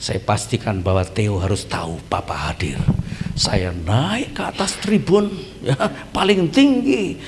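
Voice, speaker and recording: A man's voice: fairly low pitch, a little slow, background noise. A middle-aged man preaching at a family seminar, telling stories and acting out the dialogue. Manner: lively storytelling, acts out dialogue, asks congregation for amen. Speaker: pastor. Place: church hall. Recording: reverberant church hall with faint ambience.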